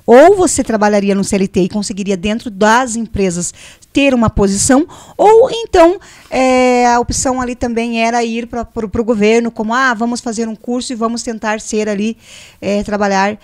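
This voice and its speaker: A woman's voice: a little high, moderate pace, a little mellow, dry recording. A Brazilian woman hosting a radio talk show, chatty and encouraging as she leads the conversation. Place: radio studio.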